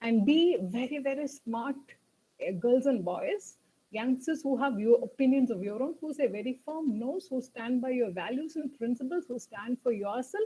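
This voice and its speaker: In a Keralan accent, a dark, mellow voice moves at a moderate pace with lively intonation. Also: woman, high pitch for a woman. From Kerala, India. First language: Malayalam. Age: 40s. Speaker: civil servant, guest speaker. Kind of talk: motivational talk. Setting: webinar video call.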